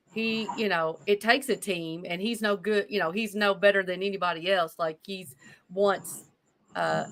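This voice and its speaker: In a Kentucky accent, a woman speaks at a moderate pace with fairly even intonation. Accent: Kentucky Southern US. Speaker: wrestling podcast host. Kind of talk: casual chat.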